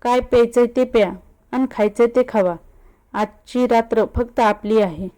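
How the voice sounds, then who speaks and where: A woman's voice: a little high, a little slow, warm tone, natural voice. A woman voicing a bossy, protective young woman who hosts a party, speaking in a commanding, coaxing way. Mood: breezy.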